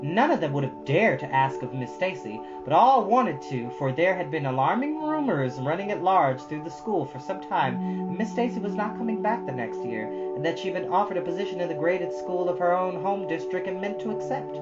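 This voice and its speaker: A woman's voice: on the low side, big pitch swings, a little fast, hardly any pauses, muffled recording, over loud music. A woman reading a children's book aloud as storyteller, with dramatic emphasis and informal, chatty asides.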